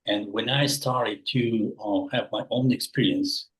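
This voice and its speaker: A man's voice: on the low side, measured pace, low-quality recording. A man in his sixties from Peru, answering interview questions and rephrasing as he searches for words. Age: 60s. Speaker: guest.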